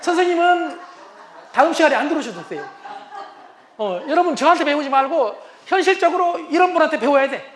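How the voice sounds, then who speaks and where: Brief: male lecturer, very high for a man, lively storytelling delivery in a comedic talk. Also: a little fast, slight background noise. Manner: animated, acts out spouses' lines. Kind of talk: humorous lecture.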